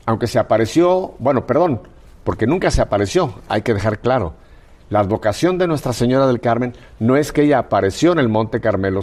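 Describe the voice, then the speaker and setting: A man's voice: mid-range voice, a little mellow. A man hosting a Catholic radio interview, explaining things for viewers and steering his guest with questions. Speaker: radio show host.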